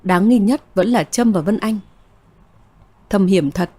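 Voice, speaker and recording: A woman reading a first-person story aloud as its narrator, in a steady, even way. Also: mid-range voice, measured pace, husky, no room sound.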